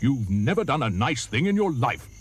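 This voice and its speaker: A man's voice: mid-range voice, big pitch swings, husky, voice pushed up. A man doing an indignant elephant. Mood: scolding. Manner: loud, drawn-out and scolding. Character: big, indignant male elephant.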